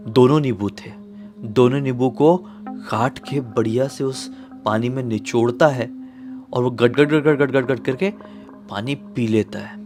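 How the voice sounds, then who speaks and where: A man's voice: medium pitch, a little mellow. A man telling a horror story in a conversational, dramatic way.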